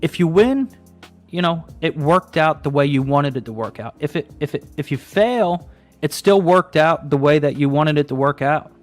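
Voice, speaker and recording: A man's voice: a little high, animated, normal speed, faint music behind. A man in his late thirties hosting a casual chat over drinks, rambling and restarting his sentences. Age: 30s. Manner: rambling, restarts and repeats words. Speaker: host.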